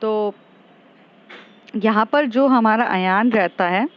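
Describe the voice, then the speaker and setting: A woman's voice: a little high, slow pace, lo-fi sound. A woman retelling a story casually, rambling, with many fillers and restarts.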